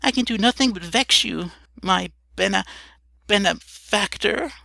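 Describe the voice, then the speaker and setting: A man's voice: high voice, a little slow, gravelly, sharp tone, dry recording, pitched above the performer's own voice, full character voice. A man voicing a meek, poor drunken man who speaks timidly and plaintively. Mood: tearful.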